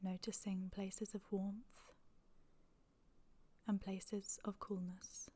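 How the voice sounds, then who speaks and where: A woman guides a relaxation practice in a hushed, breathy voice. Her intonation stays level and barely moves. She is gentle and soothing, leaving long pauses between short phrases. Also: mid-range voice, flat delivery. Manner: soft, breathy, near-whispered delivery. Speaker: yoga nidra meditation guide. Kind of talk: guided meditation.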